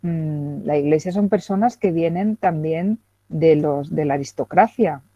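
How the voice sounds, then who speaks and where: A woman's voice: low-pitched, a little slow, warm tone, no room sound. A middle-aged woman giving an academic lecture, talking hesitantly with many fillers and checking questions. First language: Spanish. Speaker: guest lecturer. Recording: dull lo-fi video call audio.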